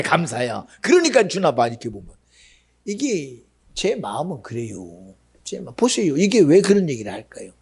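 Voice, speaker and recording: A pastor delivering a sermon in a lively, conversational way, often asking his congregation questions. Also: high voice, creaky, slightly rough. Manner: animated, conversational preaching with rhetorical questions. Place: church sanctuary.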